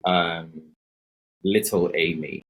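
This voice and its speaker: A man's voice: deep voice, steady tone, takes it slowly, slightly rough. A man hosting a podcast, asking friendly, rambling interview questions full of fillers. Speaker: podcast host.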